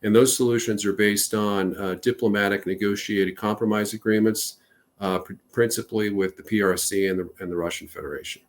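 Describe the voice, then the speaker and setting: A lower-voiced American man in his fifties talks through his answers as an interview guest. He leans hard on fillers like "uh" and "um" and often backs up mid-sentence to rephrase. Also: fairly even intonation, brisk. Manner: hesitant, many uh and um fillers, restarts. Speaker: national security strategist guest. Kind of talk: interview answers, recounting career.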